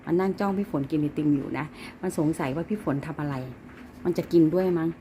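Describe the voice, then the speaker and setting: A woman's voice: sits low, fast talker, warm tone, slight background noise. Woman cooing at her cats at home. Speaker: pet owner filming her cats and rabbits. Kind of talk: casual chat to pets and viewers.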